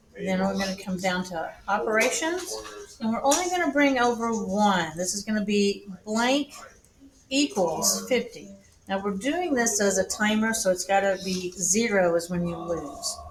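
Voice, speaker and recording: A woman's medium-pitched voice, lively in intonation and moderate in pace, over noticeable background noise. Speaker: computer science teacher. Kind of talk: tutorial.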